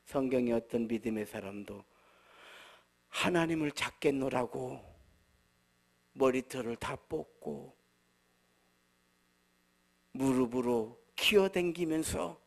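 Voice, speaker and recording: A middle-aged man preaching a sermon as pastor, telling stories and acting out quoted voices, with swings from soft murmurs to loud emphatic bursts. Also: mid-range voice, animated, slow, vocal fry, long pauses. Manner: storytelling, acts out quoted voices.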